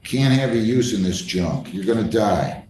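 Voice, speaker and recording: A man's voice: fairly low pitch, animated, moderate pace, a little mellow. Male judge, plain-spoken and stern in questioning, roomy courtroom recording. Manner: blunt, scolding, plain-spoken. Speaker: judge presiding over a court hearing. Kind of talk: courtroom proceedings, questioning and admonishing. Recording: echoey courtroom recording with faint noise.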